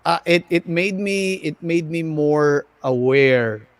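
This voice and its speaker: Higher-voiced American man chatting casually, dry sound. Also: no room sound. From United States, of Filipino family. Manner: animated, self-deprecating, halting when switching into Tagalog. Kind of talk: casual livestream chat mixing English and Tagalog. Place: online video livestream.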